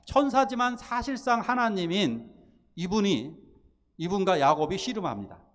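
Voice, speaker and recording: A male pastor preaching a sermon, telling a story with animated delivery and acting out the pleading voices of its characters. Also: sits high, normal speed. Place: church sanctuary.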